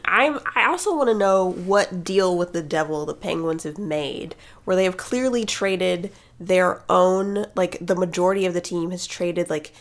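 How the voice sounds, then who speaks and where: A woman's voice: on the low side, moderate pace, few pauses. Chatty woman talking hockey. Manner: chatty, wry, laughs often. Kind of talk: casual sports chat.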